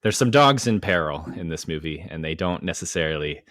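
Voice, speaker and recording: A man with a very low voice co-hosts a laid-back movie podcast. He is chatty and quick to laugh, and the sound is close and dry, with no room around it. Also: no room sound. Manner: laughs easily, relaxed and chatty. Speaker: podcast co-host. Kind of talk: casual movie podcast chat.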